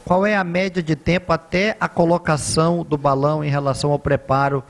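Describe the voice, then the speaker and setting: Brazilian TV co-host reading notices. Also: male voice, a little high, fairly even intonation, fairly quick, vocal fry. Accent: Brazilian Portuguese. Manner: conversational, reads notices aloud. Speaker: TV co-host and doctor. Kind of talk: TV talk show co-hosting.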